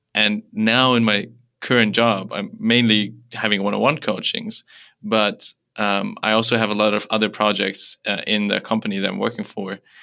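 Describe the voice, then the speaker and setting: This man has a bright, sharp tone and a fairly low pitch, speaking at a moderate pace in a monotone, flat way. The recording is very clean with a silent background. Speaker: podcast host. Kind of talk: casual interview chat.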